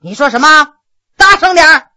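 A woman's voice: high-pitched, big pitch swings, measured pace, pushed and bright, heavily acted. Woman doing a stern flustered magistrate. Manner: harsh, scolding, official.

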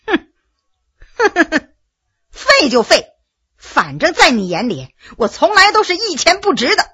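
A woman's voice: high-pitched, wildly swooping pitch, normal speed, bright, forceful tone, no room sound, studio quality, full character voice. A woman storyteller voicing a proud, furious empress who speaks with bitter scorn. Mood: scornful.

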